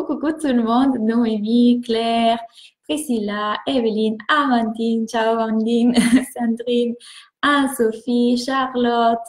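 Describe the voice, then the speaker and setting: An enthusiastic woman with an Italian accent coaches and greets viewers on a live stream. Her voice sits fairly high, and the room around her echoes. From Italy. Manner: enthusiastic, warm greetings, repeats words.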